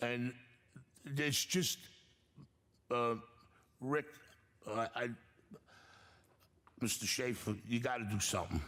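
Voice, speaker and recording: With an American accent, a man speaks at a medium pitch with ordinary variation, a bright, sharp tone, very even loudness and a very slow pace broken by long, frequent pauses. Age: 60s. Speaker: resident speaking at public comment. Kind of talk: public comment at town meeting. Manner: halting.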